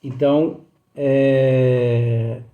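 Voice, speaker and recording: A man with a Brazilian Portuguese accent who teaches in a slow study talk, reading passages aloud and explaining them again with many fillers. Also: mid-range voice, steady tone, roomy sound, phone-quality sound. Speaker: spiritist teacher.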